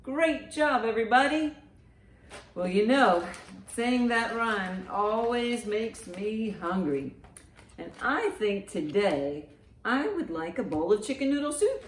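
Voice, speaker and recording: Animated woman leading children's storytime, echoey room. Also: fairly high pitch, slow. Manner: animated, encouraging, sing-song delivery for small children. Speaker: library storytime host. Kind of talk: children's storytime with songs, rhymes and picture-book reading. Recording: roomy, echoey indoor sound.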